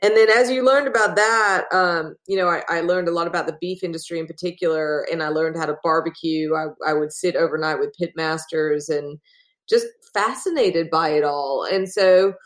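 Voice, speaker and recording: Guest role: Australian woman with a Texan lilt, lowish voice, eager and chatty with fillers. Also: moderate pace. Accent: Australian mixed with Texan. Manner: enthusiastic and chatty, with many fillers. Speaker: podcast guest. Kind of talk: casual interview chat.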